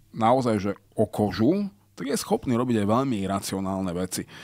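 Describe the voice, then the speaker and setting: The sound is dry with no echo and a quiet background. A man with a fairly low pitch talks at a moderate pace with ordinary pitch variation. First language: Hungarian (speaking Slovak). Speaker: political commentator. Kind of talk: casual chat. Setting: studio. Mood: serious, analytical. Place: studio. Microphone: studio mic.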